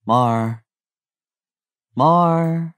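An actor playing a teasing, confident young police team leader in an audio drama. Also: male voice, on the high side, drawn-out words, no echo. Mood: teasing, fond. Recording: faint music under the voice.

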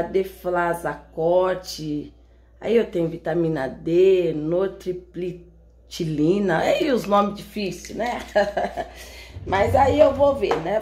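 Slow-talking Brazilian woman vlogging at home. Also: on the low side, a little mellow. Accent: Brazilian Portuguese. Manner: chatty, affectionate, laughs often. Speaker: vlogger and mother. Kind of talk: casual home vlog. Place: home, indoors.

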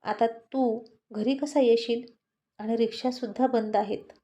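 A worried middle-aged mother, as a woman storyteller puts her on, anxious as she speaks to her son. Her voice is high and mellow. It sounds like a spoken storybook. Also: steady tone, natural voice. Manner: anxious, hurried.

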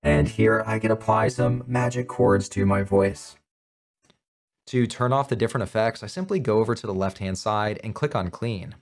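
Upbeat man narrating a software tutorial. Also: lowish voice, normal speed, soft background music. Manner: upbeat, clear instructional delivery. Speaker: tech tutorial host. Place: home office.

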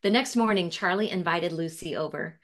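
A woman's voice: on the low side, moderate pace. A woman in her forties speaking expressively as an author, reading aloud and explaining casually to children on a video call. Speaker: picture book author presenting. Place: indoor room with bookshelves, on video call.

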